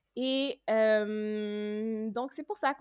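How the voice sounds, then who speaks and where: A woman with a strong Montreal accent and a fairly high pitch, in dry, close sound with no echo. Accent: strong Montreal Quebec French. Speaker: podcast co-host. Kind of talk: casual podcast chat. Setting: video call.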